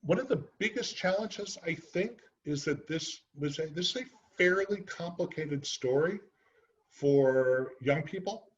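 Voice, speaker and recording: A man's voice: on the high side, expressive, measured pace, highs cut off. A man giving an author talk, speaking earnestly and unhurriedly about his book, with frequent ums and uhs. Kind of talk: library author presentation.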